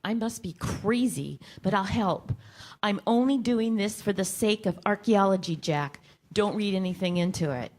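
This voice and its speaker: A woman's voice: mid-range voice, moderate pace, darkish tone, lightly acted. A woman playing a skeptical, sardonic, reluctant accomplice in a staged comedy reading, often questioning. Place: live staged reading in a church.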